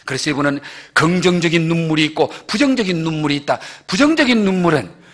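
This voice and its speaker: Male senior pastor, fervent sermon delivery, high husky voice with wide swings in pitch, repeats lines for emphasis. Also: expressive, fast talker. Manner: impassioned preaching, rises loud then drops to near whispers; repeats phrases for emphasis, asks the congregation "예?".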